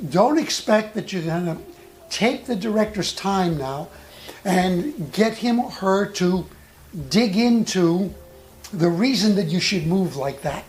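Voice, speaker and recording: An acting coach giving an instructional talk with personal anecdotes, speaking in a measured, deliberate way with thoughtful pauses. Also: mid-range voice, lively intonation, darkish tone, soft background music.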